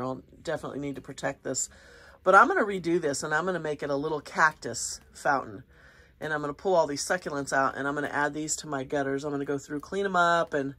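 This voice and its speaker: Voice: medium pitch, pushed and bright, no room sound. A gardening vlogger with a congested, sniffly voice, chatting casually and rambling a little while filming outdoors in a home garden on a handheld phone. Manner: rambling and chatty, with many fillers and small laughs. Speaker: gardening channel host. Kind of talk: casual walk-and-talk garden vlog. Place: outdoors in a home garden after light rain. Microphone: handheld phone camera.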